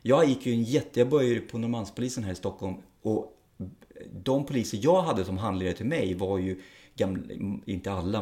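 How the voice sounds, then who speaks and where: A man's voice: lowish voice, dark tone. A middle-aged man, a police officer, speaking frankly and bluntly in a casual interview, with the odd curse word. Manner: frank and blunt, plain-spoken with occasional swearing.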